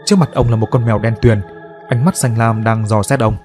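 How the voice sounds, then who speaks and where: A man narrating a scripted horror story in a steady, dramatic storytelling manner. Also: mid-range voice, a little fast, faint music behind.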